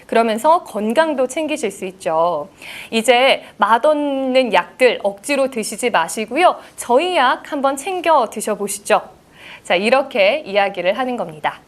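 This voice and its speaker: A woman's voice: fairly high pitch, expressive, a little slow. A young adult woman, a trained announcer, giving a polished scripted lecture on sales talk and acting out sample customer questions. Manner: polished, clearly articulated delivery that acts out sample customer dialogues.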